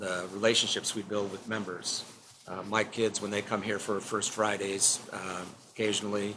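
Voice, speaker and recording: A man's fairly low voice at a moderate pace, monotone and flat in intonation, over noticeable background noise. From Canada. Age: 70s. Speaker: club president and corporate executive. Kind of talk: podcast interview. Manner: halting, many repetitions and fillers.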